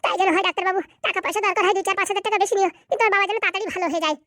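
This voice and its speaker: A performer playing a worried grown son in a cartoon comedy. He pleads anxiously in a very high, squeaky voice. He speaks very fast, and the sound is close and dry. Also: fairly even intonation, bright, forceful tone, no echo, heavily acted. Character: worried young grown son, anxious about his father.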